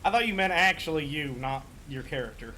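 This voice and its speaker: A man's voice: fairly high pitch, expressive, a little fast, pushed and bright, a little hiss or hum, poor audio. A man running a tabletop game as game master, narrating and joking with the players. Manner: jokey, teasing the players.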